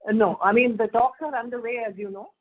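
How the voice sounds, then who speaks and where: A woman with an Indian accent answering questions as a company executive on an earnings call, in a halting, conversational way. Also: a little high, fairly even intonation. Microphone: telephone. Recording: muffled narrow phone conference line.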